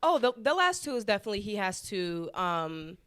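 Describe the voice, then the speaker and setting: A woman in her late twenties, a podcast guest, calmly explaining her views at length in casual chat. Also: medium pitch, fairly quick, clean tone. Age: 20s.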